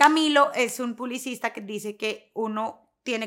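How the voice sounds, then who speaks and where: A woman with an unremarkable speaking voice, lively intonation and a fairly slow pace, in a very clean recording over a silent background. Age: 40s. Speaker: public relations entrepreneur. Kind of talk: interview.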